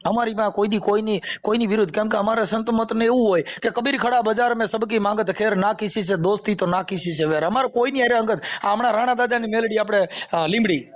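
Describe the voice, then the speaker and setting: A man's voice: high-pitched, fast, hardly any pauses. A man with a Saurashtra Gujarati accent in a recorded phone call, arguing insistently and explaining at length. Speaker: caller, former folk shaman. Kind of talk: argumentative phone conversation.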